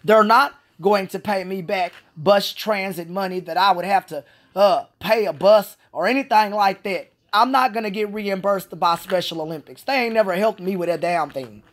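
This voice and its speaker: A woman's voice: mid-range voice, moderate pace, hardly any pauses. A woman, a Special Olympics athlete, venting in a vlog monologue, frustrated and profane, repeating herself. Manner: frustrated, repetitive, profane ranting.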